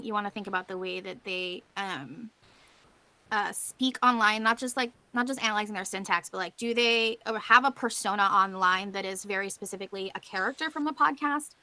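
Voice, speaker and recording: A woman's voice: mid-range voice, a little fast, sharp tone. A woman giving an informal conference presentation as a panelist, explaining things in a conversational way.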